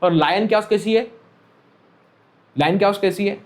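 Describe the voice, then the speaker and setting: High-voiced male physics teacher, repetitive. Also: normal speed. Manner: repeats key phrases, checks understanding often; mixes Hindi with English terms. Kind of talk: classroom lecture.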